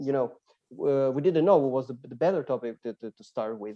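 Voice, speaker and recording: In an Italian accent, a man with a dark, mellow tone speaks at a fairly quick pace with lively intonation. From Italy. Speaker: podcast co-host. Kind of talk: casual chat. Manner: halting, many repetitions.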